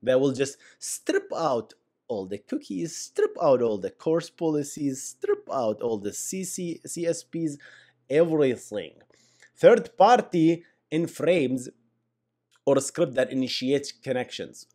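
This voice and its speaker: A young man with an Arabic accent giving casual, animated tech commentary, with chuckling asides and mumbled drops. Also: medium pitch, slow. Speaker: tech YouTuber.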